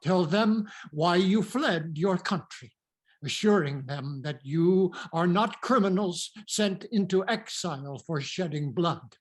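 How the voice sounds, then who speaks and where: Slow, solemn, cautioning father. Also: sits high, expressive. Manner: measured, solemn, instructive. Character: cautious, commanding elderly father leading refugee daughters. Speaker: actor. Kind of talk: dramatic reading of Greek tragedy.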